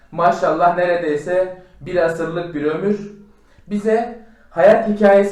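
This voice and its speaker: Over noticeable background noise, a man speaks very slowly at a high pitch with ordinary pitch variation. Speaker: lawyer. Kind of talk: interview questions.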